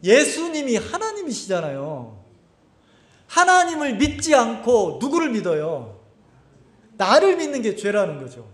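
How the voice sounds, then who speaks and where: A man's voice: very high-pitched, sing-song, moderate pace, fairly bright tone. A male pastor preaching a sermon at a church camp, constantly asking the congregation questions. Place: church summer camp service. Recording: echoey hall.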